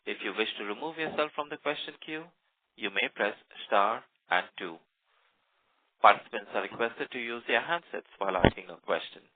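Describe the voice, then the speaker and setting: Lowish male call operator on phone. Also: moderate pace, dry recording. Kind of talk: scripted formal announcement. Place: conference call. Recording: dry, narrow phone line.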